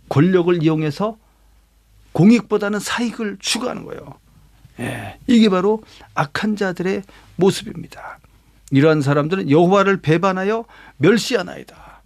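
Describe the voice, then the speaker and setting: A middle-aged man preaches a sermon in a high, gravelly voice. He unpacks scripture line by line and keeps prompting his listeners with short questions. The sound is dry and close. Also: dry recording. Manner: explains verses line by line, with rhetorical questions and "음?" prompts. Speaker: pastor.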